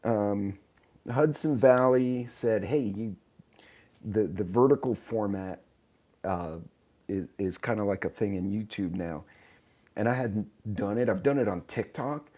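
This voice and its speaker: A man, hoarse from his sinuses, hosting a casual live stream, rambling and joking at himself while greeting viewers by name. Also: on the low side, a little slow, mellow. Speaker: channel host. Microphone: tablet mic in vertical live stream.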